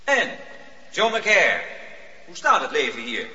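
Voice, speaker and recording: An actor playing a cold, ambitious judge who questions a poacher in a commanding, probing manner. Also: male voice, a little high, wildly swooping pitch, slow pace, pushed and bright, slight background noise, full character voice. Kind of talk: radio drama acting. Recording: dull old radio recording with long reverb.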